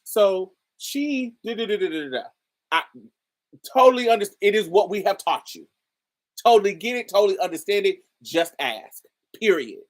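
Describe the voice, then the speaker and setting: A woman with a particularly deep voice, hosting a casual commentary and talking straight to her viewers in an emphatic, chatty way. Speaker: host.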